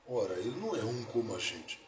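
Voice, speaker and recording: A male pastor preaching a sermon, moving between soft lines and loud, dramatic ones. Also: fairly low pitch, big pitch swings, quick pace, background noise. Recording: echoey room with faint ambience.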